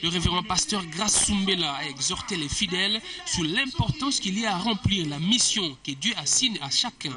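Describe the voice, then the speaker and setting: A man reading a formal news report as a voice-over, measured and even. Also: high voice, a crowd in the background.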